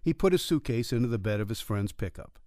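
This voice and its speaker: A man's voice: mid-range voice, animated, fast, mellow, no echo, clean studio sound. A man narrating a western story as a scripted audiobook reading.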